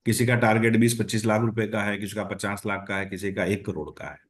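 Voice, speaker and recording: A man's voice: fairly low pitch, fairly even intonation, brisk. A man with an Indian accent answering as a company executive on an earnings call, explaining step by step and repeating phrases for emphasis.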